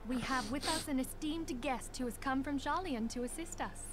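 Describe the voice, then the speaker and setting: A woman's voice: sits high, normal speed, background noise, lightly acted. An actress playing a gracious, composed female leader in a video game, formal and courteous in her delivery. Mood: formal, welcoming.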